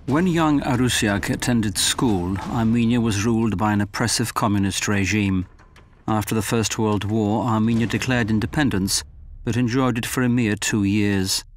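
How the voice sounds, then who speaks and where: A man giving measured, formal scripted narration for a documentary. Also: lowish voice, a little hiss or hum. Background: music.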